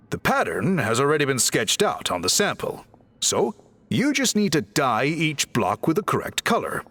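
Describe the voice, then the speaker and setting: A man playing an earnest, courteous tribal craftsman and reformer in a video game, speaking in polite, measured, articulate phrases. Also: medium pitch, fairly bright tone, husky. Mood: instructive. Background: background music.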